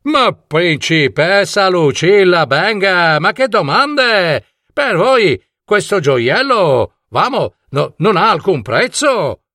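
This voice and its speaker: A man voicing a sly, flattering jeweller in a fairy tale, with obsequious hesitations and interjections. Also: sits high, slow pace, hardly any pauses, dry recording, studio quality, pitched above the performer's own voice, full character voice. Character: sly, fawning male jeweller, a king in disguise. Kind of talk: fairy-tale storybook voice acting.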